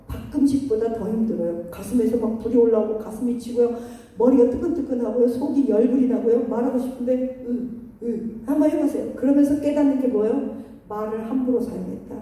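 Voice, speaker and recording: A middle-aged woman preaches a lively sermon, telling stories with animated acted-out voices and frequent laughter. Her voice sits high but sounds dark and mellow. She is heard from a distance in a church hall with a long, roomy reverb. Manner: animated storytelling, acts out voices, laughs often. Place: church sanctuary. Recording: echoey hall from far off.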